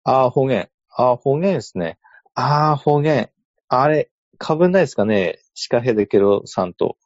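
A man from Iwate, Japan chats as a guest on a podcast, pausing and searching for words, with a quick laugh never far away. His pitch rises and falls a lot as he talks. The sound is dry and a bit dull. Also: animated, a little mellow, no room sound. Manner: hesitant, laughs often. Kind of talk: casual chat.

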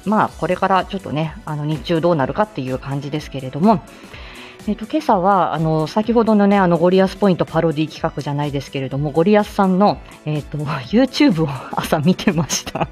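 A woman's voice: sits low, fast, a little mellow, soft background music. A woman hosting her weekly morning live stream as a speech therapist, chatting in a flustered way with many fillers and little laughs. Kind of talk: casual solo live stream.

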